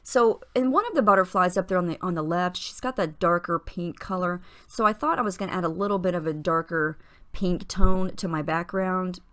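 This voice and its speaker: A woman narrates a craft tutorial in a slightly low, husky morning voice. She talks in a relaxed, chatty way, pausing on small fillers as she explains each step. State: husky morning voice, clearing her throat. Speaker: scrapbooking tutorial host. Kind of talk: casual voice-over narration of a craft process.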